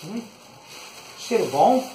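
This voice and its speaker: A man's voice: high voice, sing-song, slow. Guy doing an unboxing vlog, talks sweet to his dog, roomy echo, a bit far from the mic. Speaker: channel host. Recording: echoey room, voice off the mic, faint noise.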